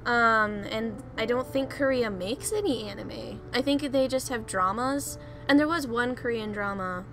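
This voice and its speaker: A woman's voice: a little high, a little slow. A young woman hosting a let's play, rambling casually and laughing at herself as she clicks through game menus. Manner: chatty, giggly, self-deprecating. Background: soft background music.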